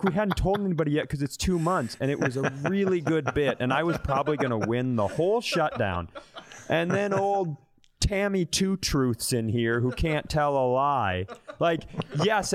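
A man co-hosting a comedy podcast, telling casual stories in an irreverent, profane way. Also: mid-range voice.

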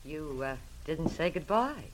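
A woman's voice: deep voice, big pitch swings, a little slow, very noisy. An actress playing a sly, scheming young woman with a southern accent in a 1940s radio detective drama. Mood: sly, coaxing. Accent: American South.

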